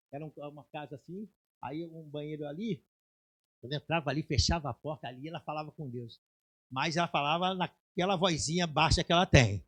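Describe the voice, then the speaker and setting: A middle-aged man preaching in a church sanctuary, his voice sitting high for a man. He tells his story quietly and then rises to loud, shouted exhortation. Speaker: pastor. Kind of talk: sermon with personal testimony.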